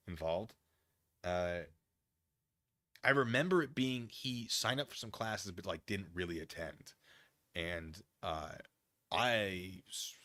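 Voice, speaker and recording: An American man with a very animated, swooping delivery and a forceful, bright tone. He reads formal text aloud with theatrical flair and wanders into wry, casual commentary. The sound is close and dry. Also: lowish voice, no room sound. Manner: animated, wry, digressive, easily excited. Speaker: online streamer reading a document with commentary. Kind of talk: dramatic document reading with casual off-the-cuff asides.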